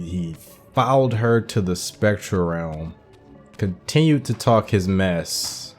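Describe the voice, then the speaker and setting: A man's voice: deep voice, darkish tone. A man hosting a gaming playthrough with casual commentary, repeating phrases for emphasis. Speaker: gaming video host.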